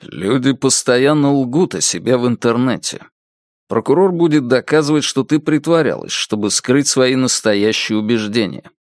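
A man voicing an unsmiling detective in an audiobook, speaking calmly and bluntly. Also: mid-range voice, moderate pace, no echo, clean studio sound, natural voice. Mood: relentless. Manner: calm, level, unsmiling. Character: blunt calm male detective, unsmiling, relentless.

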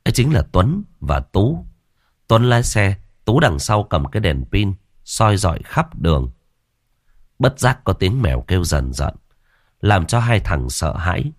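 A man's voice: sits low, very animated, measured pace, dry recording, clean studio sound. A man narrating a ghost story in a vivid, colloquial way.

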